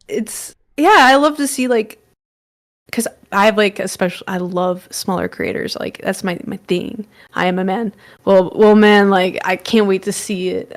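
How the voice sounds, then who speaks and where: A woman chatting casually as a livestream guest, with a slangy, encouraging way of talking. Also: medium pitch. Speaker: livestream guest and content creator. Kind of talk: casual chat.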